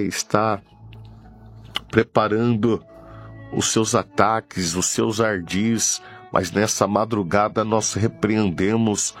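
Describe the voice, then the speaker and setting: Slow gravelly man praying. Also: fairly low pitch. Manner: slow, repetitive, pleading prayer with drawn-out invocations. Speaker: prayer leader. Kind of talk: fervent late-night prayer.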